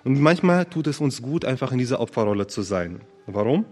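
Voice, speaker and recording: A man preaching a sermon in an earnest, searching way, often pausing with fillers and restarting his sentences. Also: medium pitch, lively intonation, a little mellow, big-room sound, faint music behind.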